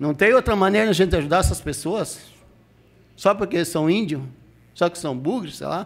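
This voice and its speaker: Talking at a fairly quick pace yet with long, frequent pauses, a man with a high pitch shows big swings in loudness and ordinary pitch variation. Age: 60s. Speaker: city councillor. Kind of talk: council floor speech. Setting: council chamber. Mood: earnest, emotional appeal. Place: hall. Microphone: podium.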